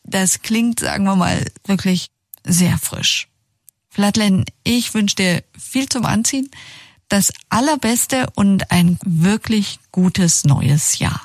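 A woman's voice: medium pitch, slow pace, dry recording, studio quality. A woman presenting a news feature, reading scripted narration and asking questions in a conversational way.

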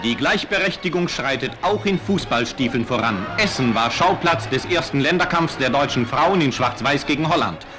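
A man's voice: medium pitch, expressive, moderate pace, few pauses. A man narrating a 1950s newsreel in an upbeat, rhythmic announcer delivery, played back as old newsreel footage. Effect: old newsreel playback. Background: music.

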